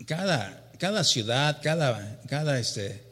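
A man's voice: medium pitch, very animated, slow pace, a bit bright. A man preaching a sermon and reading from the Bible, often repeating words and tagging questions to the congregation. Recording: long reverb of a large hall.

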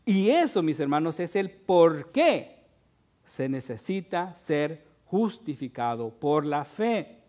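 A man's voice: fairly high pitch, big pitch swings, takes it slowly, darkish tone. A pastor preaching a sermon in a conversational way, asking his congregation short questions and rising in force on key points.

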